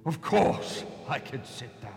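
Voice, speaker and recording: A man's voice: mid-range voice, very animated, gravelly, a little mellow, heavily acted. A man playing the solemn, haunting ghost of a dead business partner in a stage radio play, theatrical, with a ghostly reverb. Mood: solemn, challenging. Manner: slow, drawn-out calling, theatrical. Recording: long echoing reverb, music behind.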